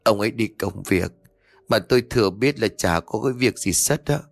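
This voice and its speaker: A man's voice: lowish voice, expressive, normal speed, gravelly, dry recording. A man voicing a sorrowful middle-aged mother mourning her daughter, weary and complaining about her husband. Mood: grieving.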